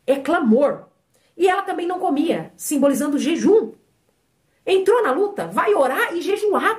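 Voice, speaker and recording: A middle-aged woman delivers an emphatic sermon and keeps putting questions to her listeners. Her voice sits high and swings widely in pitch as she presses each point. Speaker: preacher.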